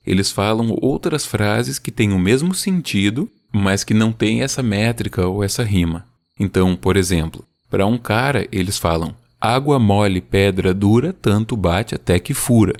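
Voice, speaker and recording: A man hosting a podcast, explaining poetic rhythm in a relaxed, teacherly way and slowing down to stress the beat of his examples. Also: lowish voice. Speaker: podcast host. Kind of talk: casual explanatory talk about poetry.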